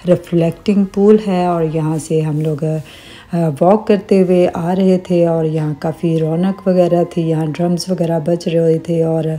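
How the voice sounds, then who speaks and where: A middle-aged woman with a fairly low voice narrates her family's travel vlog as a calm voice-over, offering religious greetings and small hesitations.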